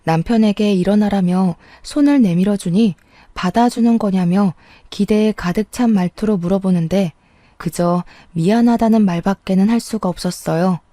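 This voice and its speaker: Mellow-voiced woman narrating a story. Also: mid-range voice, moderate pace, no room sound. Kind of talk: scripted first-person story narration.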